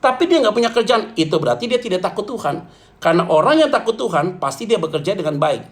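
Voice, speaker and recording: A man preaching to a congregation as pastor, animated and jokey, often turning to address his listeners directly. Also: sits high, quick pace. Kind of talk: lively humorous sermon.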